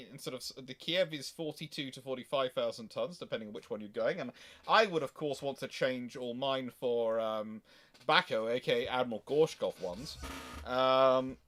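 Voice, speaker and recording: A man with a mid-pitched voice hosts an informal expert discussion over a live stream. He explains in detail but haltingly, breaking off and correcting himself as he works through each point. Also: a bit bright. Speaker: host of a naval history chat stream. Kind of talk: casual unscripted expert discussion. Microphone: voice call or live stream microphone.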